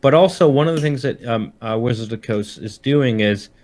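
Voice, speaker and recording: A man's voice: medium pitch, fairly quick, darkish tone. A man chatting casually about games as a podcast host, explaining things hesitantly and often rephrasing mid-sentence.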